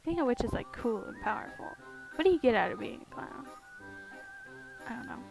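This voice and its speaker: A woman's voice: fairly high pitch, very animated, a little fast, vocal fry, poor audio. A woman chatting casually on a live stream while she carves, with a groggy morning voice, giggling, rambling and humming to herself. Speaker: streamer carving pumpkins. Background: music playing in the background.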